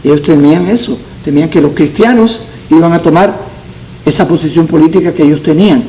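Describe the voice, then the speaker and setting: Cuban-born pastor teaching, mellow voice. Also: male voice, a little high, fairly quick, slight background noise, low-quality recording. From Cuba. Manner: earnest, repeats key phrases for emphasis. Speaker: pastor teaching Sunday school. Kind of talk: Bible class teaching.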